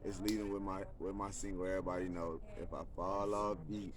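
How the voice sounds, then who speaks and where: A man's voice: low-pitched, level tone, fairly quick. A man from Louisiana, a musician guest in a casual interview, talking in a laid-back way and often saying "you feel me", recorded outdoors in a park. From Louisiana, USA. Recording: outdoor park with crowd noise.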